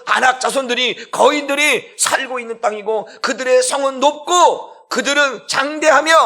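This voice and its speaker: A male pastor acting out panicked ancient Israelite men who shout in alarm and wail. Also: extremely high pitch, gravelly, pitched above the performer's own voice, heavily acted.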